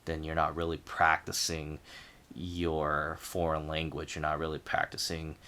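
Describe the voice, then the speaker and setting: Very deep-voiced man, clear and smooth. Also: monotone, a little slow, pushed and bright. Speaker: language learner sharing progress. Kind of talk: casual reflective talk to camera.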